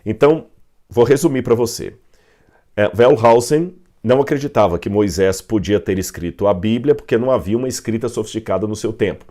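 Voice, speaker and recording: A man with a Brazilian Portuguese accent gives a Bible history lesson in a lowish voice. He explains step by step, often pausing on fillers and correcting himself mid-phrase. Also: warm tone. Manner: digressive, with fillers and self-corrections. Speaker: Bible teacher. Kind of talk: explaining at a whiteboard.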